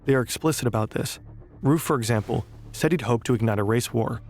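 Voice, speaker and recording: A man giving measured, scripted documentary narration. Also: mid-range voice, darkish tone, soft background music.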